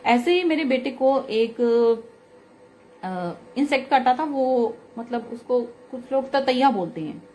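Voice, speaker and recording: A woman in her thirties with a slightly hoarse throat, telling a devotional testimony in an earnest, chatty way with many fillers, recorded at home on a phone close to her face. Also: sits high, animated, slow pace, darkish tone, slight background noise. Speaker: satsang speaker. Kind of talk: devotional singing then testimony talk.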